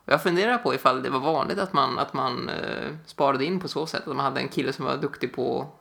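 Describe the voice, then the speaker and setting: Chatty young man with a gravelly voice. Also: medium pitch, bright, forceful tone. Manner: chatty, frequent restarts and fillers. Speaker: podcast co-host. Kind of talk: casual chat. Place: living room.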